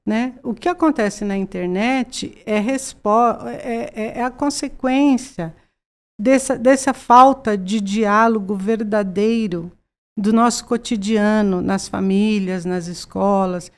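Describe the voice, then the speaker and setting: A Brazilian woman in her sixties, a psychologist guest, earnestly explaining ideas with many fillers and repeats. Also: mid-range voice. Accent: Brazilian Portuguese. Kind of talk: conversational explanation.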